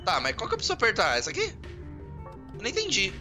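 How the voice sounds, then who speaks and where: A man with a Brazilian Portuguese accent giving excitable let's play commentary, swearing often and talking to himself and his viewers. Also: high voice, very fast. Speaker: gamer. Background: loud game music.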